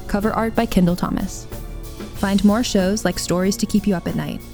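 A woman's voice: mid-range voice, fairly even intonation, normal speed, darkish tone. A woman announcer reading scripted podcast credits. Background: music.

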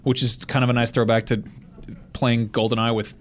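A man's voice: medium pitch, little pitch movement, moderate pace. A man bantering casually as a panelist on a gaming podcast, loose and joking.

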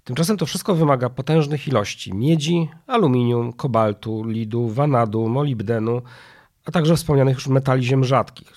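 Hoarse, nasal, creaky-voiced man. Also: mid-range voice, normal speed, a little mellow. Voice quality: nasal, stuffed-nose voice. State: hoarse from a viral illness. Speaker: podcast host. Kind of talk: podcast monologue, partly scripted.

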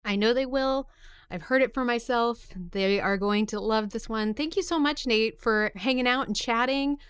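A woman's voice: fairly high pitch, moderate pace, smooth, dry recording, clean studio sound. A woman hosting a casual interview, speaking in an effusive, encouraging way to her guest. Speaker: podcast host interviewing a guest. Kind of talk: casual, enthusiastic interview chat.

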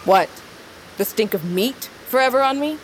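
A woman's voice: on the high side, lively intonation, a little hiss or hum, lightly acted, poor audio. An actress voicing Azera, a blunt, restless young tribal butcher in an audio drama who teases her brother and laughs easily. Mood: frustrated. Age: young adult. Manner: blunt and teasing, with quick laughs. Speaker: lead character. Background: music score.

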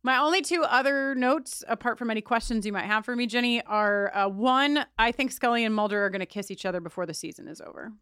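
A woman's voice: fairly high pitch, fast talker, few pauses, fairly bright tone, smooth, no room sound, studio quality. A woman co-hosting a podcast, chatting casually and playfully, often laughing. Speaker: podcast co-host. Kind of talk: casual chat.

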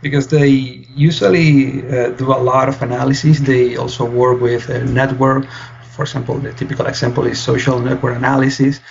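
Gravelly-voiced young man from Spain. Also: mid-range voice, level tone, normal speed, dull audio, slight background noise. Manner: earnest, explains with many fillers and restarts. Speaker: guest, PhD student. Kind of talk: interview answers.

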